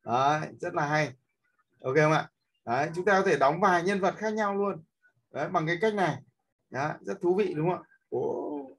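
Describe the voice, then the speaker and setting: Guy teaching an app, kinda husky, lots of um and "got it?". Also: fairly high pitch, normal speed, a bit bright. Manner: hesitant, many fillers and repeated checks. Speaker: instructor. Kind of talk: screen-recorded app tutorial.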